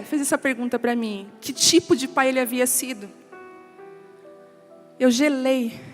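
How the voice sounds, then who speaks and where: A woman pastor giving an emotional testimony sermon, telling a family story and quoting relatives in a softer voice. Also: sits high. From Brazil. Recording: long hall reverb with soft music.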